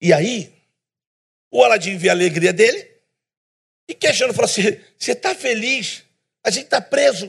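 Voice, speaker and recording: A man with a high pitch talks at a moderate pace in an animated tone, using lively intonation and long, frequent pauses. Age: 50s. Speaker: preacher. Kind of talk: sermon. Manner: animated, questioning the congregation.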